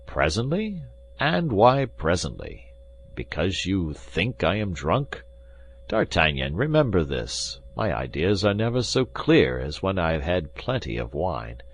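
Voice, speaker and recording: A man's voice: low-pitched, big pitch swings, unhurried, slight background noise, full character voice. A man voicing a proud, hard-drinking musketeer who talks in a commanding, dry and ironic way. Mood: wry. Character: world-weary drinking male musketeer, proud and sardonic. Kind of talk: audiobook character reading.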